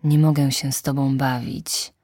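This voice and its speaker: A woman voicing a calm, wise fox in a slow, hushed storybook reading. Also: a bass voice, no echo, studio quality. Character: fox under an apple tree, calm, wise.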